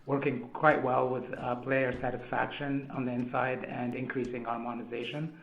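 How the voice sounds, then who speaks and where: Male executive, monotone and halting, business jargon, tinny echoing conference phone line. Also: mid-range voice. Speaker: company executive. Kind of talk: corporate earnings call answer. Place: conference call over phone.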